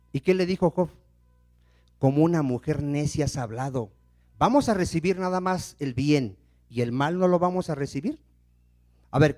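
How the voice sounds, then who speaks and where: Spanish-speaking pastor preaching to a congregation. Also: male voice, on the high side. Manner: call-and-response questions to the congregation; swings between loud emphasis and hushed asides. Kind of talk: sermon.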